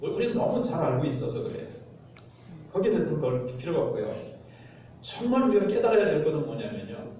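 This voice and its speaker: A man pastor delivers a sermon in a fairly high, mellow voice. He livens it up by acting out everyday complaints. The sound is very echoey and distant, as if picked up across a church sanctuary, with a faint hiss under it. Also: a little fast. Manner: lively, acts out everyday complaints.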